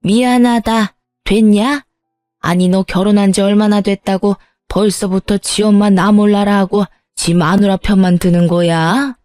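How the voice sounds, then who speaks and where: A woman's voice: mid-range voice, steady tone, measured pace, a little mellow, no echo, clean studio sound, soft background music, lightly acted. A woman voicing a cold, scornful older mother-in-law in a narrated story. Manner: curt, scornful.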